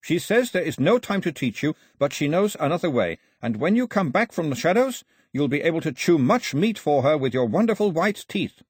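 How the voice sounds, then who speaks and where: A man acts out an earnest young girl interpreter from a storybook, raised in pitch and speaking in slow, solemn, measured phrases. The voice is slightly husky and dry. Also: big pitch swings, no echo. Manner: solemn, measured relaying of commands.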